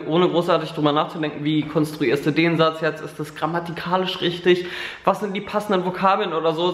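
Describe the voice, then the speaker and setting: A man's voice: on the high side, a bit bright, echoey room. A man in his twenties vlogging casually at home, rambling with lots of fillers, talking to a camera held at arm's length. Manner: rambling, filler-heavy, chatty. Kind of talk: casual daily vlog chat. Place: living room at home, indoors.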